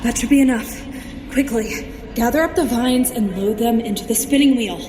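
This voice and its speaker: An actress playing a brisk, sarcastic, bossy sorceress superheroine in a scripted audio drama. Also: female voice, on the high side, echoey room, recorded from a distance, heavy background noise, natural voice. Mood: brisk, commanding.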